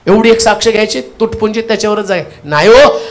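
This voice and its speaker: A male pastor with a Marathi accent, preaching a Pentecostal sermon and leading the congregation in call and response, at times breaking into shouts. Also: high-pitched, quick pace, a little hiss or hum.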